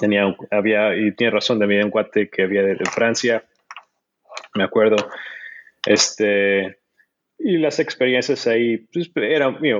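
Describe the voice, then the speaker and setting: A man talks at a fairly low pitch and a fairly slow pace, with long, frequent pauses. His loudness stays very even, and his pitch varies in an ordinary way. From Mexico. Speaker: air force veteran and golfer. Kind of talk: interview. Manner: halting.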